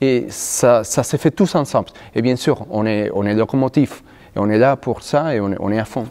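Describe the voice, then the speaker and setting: At a moderate pace, a man speaks with a medium pitch, a dark, mellow tone and ordinary pitch variation. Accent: Spanish. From Spain. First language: Spanish (speaking French). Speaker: orchestra conductor. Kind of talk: interview. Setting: opera house. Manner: halting, many repetitions.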